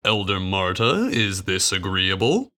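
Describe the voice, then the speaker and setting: A pompous, scheming council leader in an audio drama. The voice is bright and forceful, with formal oratory that rises and falls dramatically. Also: male voice, deep voice, big pitch swings, unhurried, exaggerated voice. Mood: formal, satisfied.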